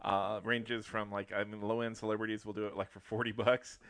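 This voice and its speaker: Bright-voiced man explaining haltingly. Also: on the low side, little pitch movement, gravelly, no room sound. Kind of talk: casual chat.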